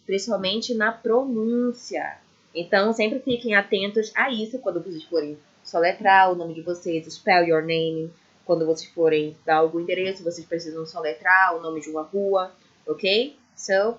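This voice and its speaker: A woman's voice: medium pitch, fairly bright tone. A woman with a Brazilian Portuguese accent, teaching a patient English lesson on letter sounds and checking in with "ok?" often. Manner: patient, repeats letters slowly, says "ok?" often. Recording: dull lo-fi recording.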